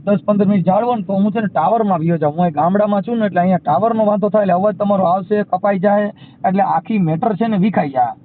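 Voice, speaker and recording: A man's voice: sits high, fast talker, slight background noise. A man with a Saurashtra Gujarati accent in an informal phone conversation, speaking briefly as a mediator taking details over a muffled line. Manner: brief questions and acknowledgements. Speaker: mediator taking details on a helpline-style call. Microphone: telephone. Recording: muffled narrowband phone call.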